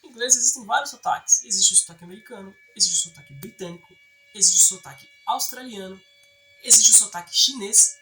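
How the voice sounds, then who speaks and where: A man's voice: very high-pitched, wildly swooping pitch, quick pace, heavy background noise. A man with a Brazilian Portuguese accent, explaining in a chatty way for an English-learning video and often checking in with the viewer. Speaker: English teaching YouTuber.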